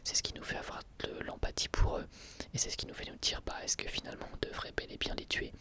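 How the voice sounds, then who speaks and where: A man whispering an ASMR review of an anime episode as the channel host, speaking hesitantly with frequent filler sounds and restarts. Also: fast talker. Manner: soft whisper throughout.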